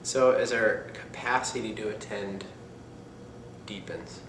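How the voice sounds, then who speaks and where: A man giving a meditation talk in a soft-spoken, reflective manner, with casual asides. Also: lowish voice, steady tone, slow pace, a little hiss or hum. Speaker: meditation teacher. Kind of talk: dharma talk. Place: meditation center hall. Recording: echoey meditation hall with faint ambience.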